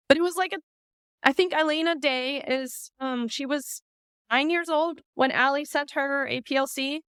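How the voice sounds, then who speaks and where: A woman podcast host from Iceland, chatting in a lively, talkative way with lots of asides. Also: sits high, clean tone, dry recording. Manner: chatty, lively, talks through ideas with asides. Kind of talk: casual conversation.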